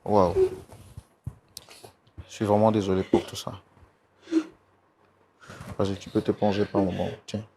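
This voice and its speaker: A man's voice: lowish voice, flat delivery, a little slow, pauses often, warm tone. A male talk show host on a studio set, pleading and soothing a guest over and over in an emotional testimony show. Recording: noisy studio recording.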